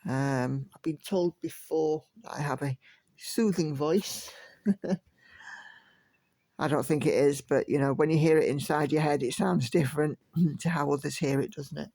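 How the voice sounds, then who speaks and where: A woman talks at an unhurried, easy pace, her voice settling into a low gravelly fry. The sound is close and dry, with no room around it. She chats gently from home as a crafting vlogger. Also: no echo. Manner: slow, gentle, relaxed chatter. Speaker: cross-stitch vlogger. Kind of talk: casual chat while stitching.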